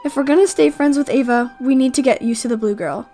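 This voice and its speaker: A woman's voice: sits high, fast, mellow, faint music behind. A woman playing an outspoken, protective teenage girl, blunt and emphatic, in a game roleplay drama. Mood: matter-of-fact. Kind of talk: acted Roblox roleplay drama.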